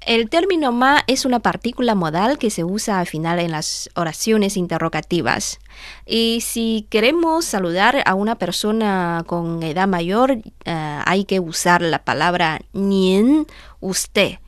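Slow-spoken woman. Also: mid-range voice, expressive, no room sound, studio quality. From China. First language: Chinese. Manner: slow, careful, drilling pronunciation. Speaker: language teacher and co-host. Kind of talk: radio language lesson.

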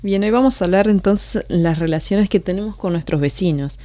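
A woman's voice: mid-range voice, a little fast, warm tone, no echo. A woman co-hosting a scripted language lesson, repeating words back and presenting a short practical segment. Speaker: co-host.

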